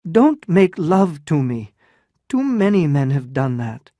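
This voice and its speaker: A woman's voice: low-pitched, expressive, unhurried, dark tone, husky, dry recording, clean studio sound, pitched above the performer's own voice, full character voice. A reader voicing a distraught, proud young woman. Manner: emotional, pleading. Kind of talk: dramatized story reading.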